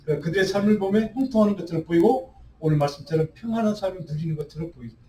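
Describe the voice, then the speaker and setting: A man's voice: sits high, rapid-fire, mellow, slight background noise. A male pastor preaching a midweek Bible study sermon, earnest and full of rhetorical questions. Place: church sanctuary. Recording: roomy echo, voice heard from a distance.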